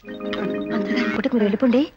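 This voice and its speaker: An actress playing a quick-witted young courtesan in a film comedy, coaxing and teasing. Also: female voice, fairly high pitch, muffled recording, over loud music, close to an everyday voice.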